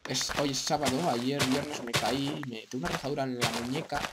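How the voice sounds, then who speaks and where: Hoarse young Spanish man, noisy recording. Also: medium pitch, steady tone, fairly quick. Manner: rambling, chatty, frequent throat clearing. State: slightly hoarse throat. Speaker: gaming YouTuber. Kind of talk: casual gameplay commentary.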